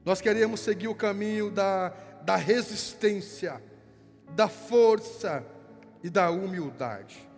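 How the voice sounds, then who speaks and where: Leading prayer and sharing notices in church, a high-pitched gaúcho pastor from southern Brazil's Rio Grande do Sul mixes drawn-out, fervent petitions with lighthearted teasing. The hall is reverberant, with worship music in the background.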